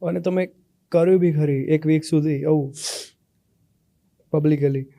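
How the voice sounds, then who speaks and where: A man's voice: on the high side, fairly even intonation, measured pace, vocal fry, dark tone. A man hosting a podcast, asking questions and giving short attentive replies. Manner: attentive, brief encouraging replies. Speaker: podcast host. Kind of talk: interviewing with short backchannels.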